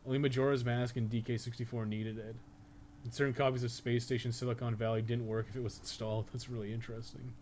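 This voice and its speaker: A man's voice: mid-range voice, level tone, quick pace, darkish tone. Wry, rambling man streaming over game noise. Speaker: live streamer, podcast co-host. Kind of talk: casual game stream chatter. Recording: game audio noise behind voice.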